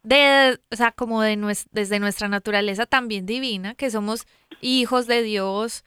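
A woman hosting a faith interview who agrees often and speaks in a lively, colloquial way. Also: on the high side, unhurried, smooth, dry recording, clean studio sound. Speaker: interview host. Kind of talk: faith talk, affirming.

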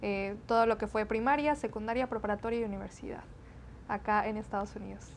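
A woman's voice: medium pitch, fairly even intonation, fast, slight background noise. A woman in her twenties from the Texas–Mexico border, talking in an interview and filling her answers with eh and repeated "sí, sí, sí". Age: 20s. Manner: chatty, many fillers and repeated "sí, sí, sí". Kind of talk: interview conversation.

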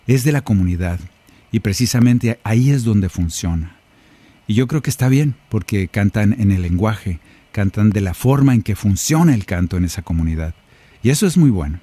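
In his own recording studio, a Catholic singer-songwriter chats between songs in a reflective, joking, conversational way. His fairly low voice sounds mellow, with no echo.

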